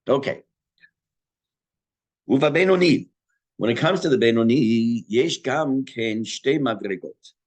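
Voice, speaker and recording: An older man teaching a Torah class in a conversational, self-deprecating way, his voice going hoarse and interrupted by throat clearing. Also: medium pitch. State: losing his voice. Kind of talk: Torah class, explaining text.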